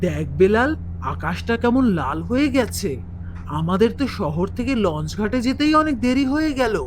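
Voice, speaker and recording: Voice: mid-range voice, big pitch swings, normal speed, slight background noise, natural voice. An actor voicing an uneasy, watchful twelve-year-old schoolboy in a cartoon, speaking with apprehension. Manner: worried, apprehensive. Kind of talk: cartoon dubbing. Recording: music bed behind voice.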